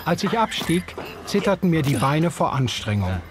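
An actor narrating in first person as a young German newcomer, measured and storytelling. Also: male voice, fairly high pitch, very animated. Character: young German greenhorn narrating his past.

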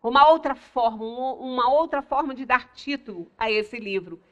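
An older woman with a Brazilian Portuguese accent leads a religious study talk, her voice high and bright. She explains patiently, pausing to stress key words. She is picked up in a small indoor meeting room. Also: expressive, highs cut off. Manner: explanatory, stresses single words with long pauses. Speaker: lecturer at a spiritist center.

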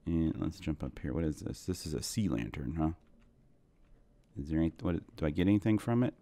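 A man's voice: very deep voice, expressive, a little fast, mellow, no echo. A man in his thirties, a bit sick and losing his voice, rambling casually to viewers while playing a Minecraft game. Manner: rambling, self-deprecating, talks to viewers. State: sick, voice going hoarse. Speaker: gaming channel host. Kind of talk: casual Minecraft let's play commentary.

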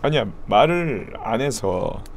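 A man streaming live with a hoarse voice, chatting casually and thanking subscribers. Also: medium pitch, animated, takes it slowly, a little hiss or hum.

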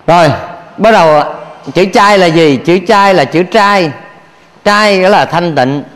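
A man's voice: sits high, a little slow, fairly bright tone, long reverb tail. A man, a Buddhist monk giving a playful dharma talk, questioning his audience and laughing often. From Vietnam.

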